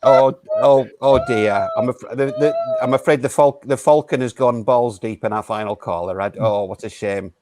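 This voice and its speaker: A man's voice: medium pitch, darkish tone, slight background noise, voice pushed down, close to an everyday voice. A man playing a hesitant, awkward radio DJ who keeps stammering and restarting while talking to callers. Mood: flustered. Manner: flustered, hesitant, halting. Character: awkward radio DJ host of a small station. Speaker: improv performer.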